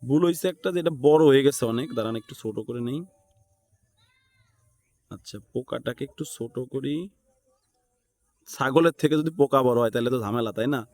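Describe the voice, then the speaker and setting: A man's voice: medium pitch, fairly quick, long pauses, darkish tone. A man with a Bangladeshi accent teaching an informal step-by-step screen tutorial, thinking aloud and checking in with listeners. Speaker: tutorial instructor.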